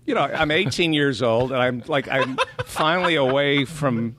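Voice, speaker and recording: A middle-aged man from New Jersey, a comedian guest on a casual podcast, trading sardonic, self-mocking jokes in a dry deadpan. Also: mid-range voice, moderate pace, background noise.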